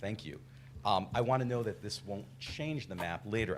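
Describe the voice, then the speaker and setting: Vocal fry colors this man's medium-pitched voice. He moves at a fairly quick pace with lively intonation. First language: not English (English is his third language). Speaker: resident speaking at public comment. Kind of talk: public comment at a zoning hearing. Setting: public meeting. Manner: halting, stammering.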